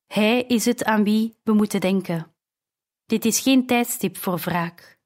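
A woman's voice: mid-range voice, measured pace, a little mellow, close to an everyday voice. A woman reading the lines of a stern older father in an audiobook, firm and commanding.

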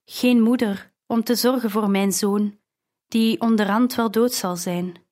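A woman reading a despairing mother's farewell letter in an audiobook, soft and sorrowful. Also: on the high side, steady tone, a little slow, natural voice.

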